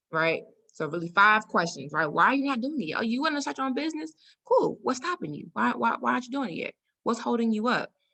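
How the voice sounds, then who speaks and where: Speaking very fast, a woman with a fairly high pitch and a bright, sharp tone makes very wide pitch swings, with vocal fry. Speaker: sales trainer. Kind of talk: training session. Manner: animated.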